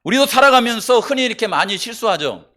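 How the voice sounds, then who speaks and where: A male pastor preaching a sermon in a church, conversational, often asking the congregation questions, swinging between loud emphasis and quiet asides. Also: very high-pitched, animated, fast talker.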